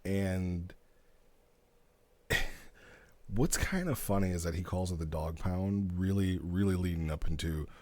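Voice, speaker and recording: Very deep-voiced man, casual storyteller. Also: measured pace, long pauses, warm tone, no room sound. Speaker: streamer reviewing roleplay stories. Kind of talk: casual explanatory commentary.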